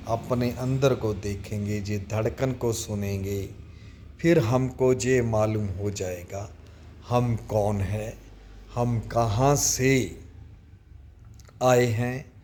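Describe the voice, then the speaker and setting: A man giving a slow, deliberate spiritual talk on meditation, addressing listeners directly with long pauses. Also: fairly low pitch, darkish tone. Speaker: spiritual teacher.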